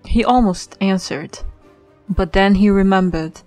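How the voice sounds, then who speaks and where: A woman's voice: mid-range voice, unhurried, darkish tone. A woman reading scripted story narration as the narrator of an audio drama. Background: music.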